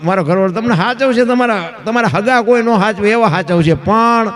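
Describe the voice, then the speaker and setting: A man voicing a sharp-tongued, middle-aged village wife who slyly warns guests away, in a Kathiawadi accent. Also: high-pitched, a little fast. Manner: sly, mock-sorrowful warnings.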